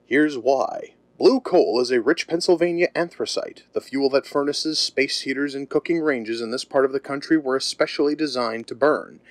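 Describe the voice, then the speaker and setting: A man as a radio announcer reading a polished, emphatic sales pitch in 1930s commercial style. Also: normal speed, hardly any pauses, no room sound.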